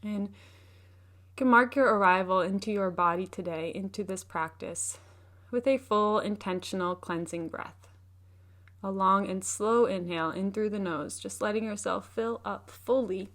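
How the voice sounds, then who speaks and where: A woman with a medium-pitched voice guides a meditation. She gives soft, soothing instructions as a teacher would. Her delivery is unhurried and gentle, leaving room between phrases.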